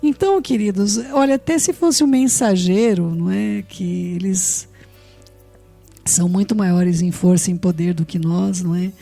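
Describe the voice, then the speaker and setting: A Brazilian woman with a Brazilian Portuguese accent preaching a sermon, earnest and warm toward her listeners, often checking in with rhetorical questions. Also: mid-range voice, normal speed, creaky, no room sound, soft background music. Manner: earnest, tags phrases with rhetorical questions, addresses listeners fondly.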